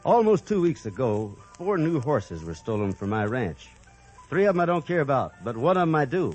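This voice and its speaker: A man's voice: mid-range voice, sing-song, moderate pace, a little mellow, rough recording. A man narrating and playing the cowboy hero of an old radio western, in an easygoing, plain-spoken way. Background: music.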